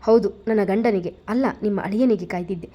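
A woman's voice: mid-range voice, a little fast, dark tone, husky, lightly acted. A woman voicing a defiant, sarcastic young wife in a spoken story, speaking in a cutting tone.

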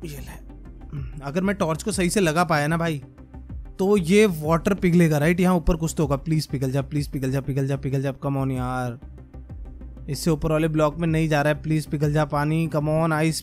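A young man commenting on his own gameplay as a gaming creator, muttering as he works and then bursting into excited shouts. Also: fairly high pitch. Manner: talks to himself and viewers, swings from muttering to excited shouts. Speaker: gaming YouTuber.

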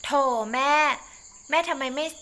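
A woman's voice: a little slow, pushed and bright. A woman voicing a sulky, self-willed young wife who whines and pleads with her mother. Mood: petulant. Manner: whiny, pleading, ends lines with sweet particles.

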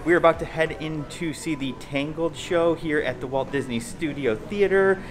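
A man co-hosting a casual travel vlog in an upbeat, relaxed way, filmed at arm's length in a cruise ship corridor. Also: a little high, normal speed, music in the background. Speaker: vlog co-host. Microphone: camera at arm's length.

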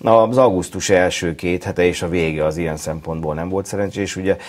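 A man's voice: low-pitched, fairly even intonation, darkish tone. A man running a spa company answers interview questions, hesitant, with many fillers and restarts.

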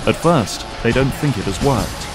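A man's voice: medium pitch, animated, moderate pace, music in the background. A man giving dramatic scripted narration for an audio drama.

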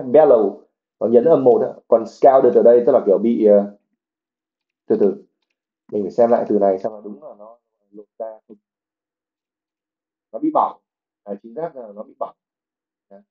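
Man teaching vocabulary over a tinny line. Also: mid-range voice. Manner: reads English passages, then translates and explains each word. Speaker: English teacher. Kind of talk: reading a novel aloud and explaining vocabulary. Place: livestream at home. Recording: phone-like narrow sound.

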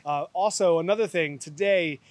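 A chatty, bearded channel host films outdoors in a yard beside an old camper, his slightly high voice moving at normal speed with no room sound. He does casual vlog chat and an outro in an upbeat, loose manner full of fillers.

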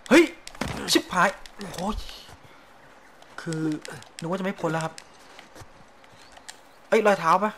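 A man's voice: high-pitched, slow pace, long pauses, a bit bright, slight background noise. Chatty, cursing male gameplay commentator. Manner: chatty, joking, swears at the game. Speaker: game streamer host. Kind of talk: casual let's-play commentary.

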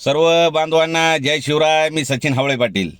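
A man's voice: fairly high pitch, moderate pace, a bit bright, clear, resonant tone, no echo, clean studio sound. A man, an activist giving a heated, defiant rebuttal straight to the camera. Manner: defiant, heated, direct address. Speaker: community activist. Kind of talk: fiery video rebuttal.

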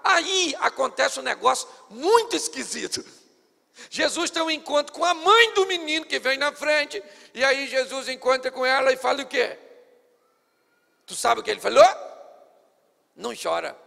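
Playful pastor preaching with a bright, edgy voice in a church with long reverb. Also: male voice, very high-pitched, animated, moderate pace, creaky. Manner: theatrical, playful. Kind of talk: sermon. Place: church service.

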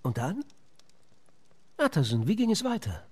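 An actor playing a curious gentleman friend in a radio drama, with a conversational delivery. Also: sits high, wildly swooping pitch, unhurried, music in the background, exaggerated voice. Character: curious gentleman friend chatting over port. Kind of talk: German radio play acting.

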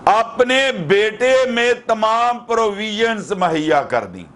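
A man's voice: sits high, lively intonation, takes it slowly, a bit bright. A middle-aged male pastor, preaching fervently with repeated hallelujahs, on a headset mic indoors. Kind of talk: sermon. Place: indoor room with curtains.

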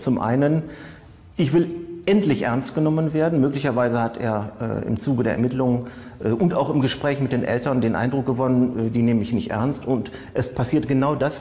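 A man giving measured, explanatory expert commentary with hesitant pauses. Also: mid-range voice, warm tone, big-room sound. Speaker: criminal psychology expert.

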